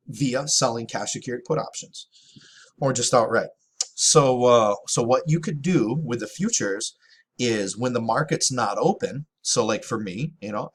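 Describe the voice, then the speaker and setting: A man's voice: mid-range voice, a bit bright. A man hosting a stock options channel, giving casual, rambling market commentary over a screen share, with folksy exclamations. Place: home in Hawaii.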